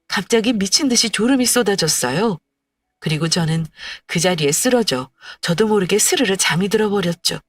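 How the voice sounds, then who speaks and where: A woman's voice: mid-range voice, breathy edge, no echo. A woman reading a first-person story in a plaintive, scripted narration, recorded dry and slightly distant. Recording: dry, a little distant, faint music.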